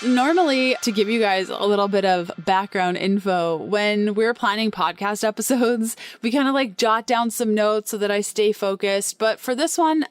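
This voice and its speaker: A woman's voice: on the high side, clear, resonant tone, dry recording. Woman, 30s, hosts her own podcast; candid, chatty delivery, resonant and dry. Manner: chatty and candid, with filler words. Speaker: podcast host. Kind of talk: casual solo podcast monologue.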